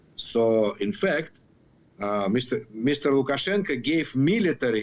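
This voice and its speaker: Carrying a strong Ukrainian accent, a man of medium pitch talks at a moderate pace with very wide pitch swings. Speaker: political strategist. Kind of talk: interview answer.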